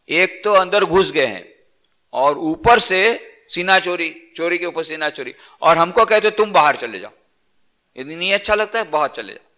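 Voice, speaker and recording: Male preacher, storytelling sermon, bright tone, repeats key phrases. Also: fairly high pitch. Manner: repetitive, storytelling teacher. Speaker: monk giving a discourse. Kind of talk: scripture discourse sermon.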